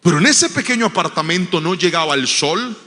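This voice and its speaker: A fairly high, bright-toned man preaching a storytelling sermon. He moves between soft, hushed passages and loud, emphatic climaxes. His voice rings out with the long echo of a large hall. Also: animated, a little fast. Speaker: pastor.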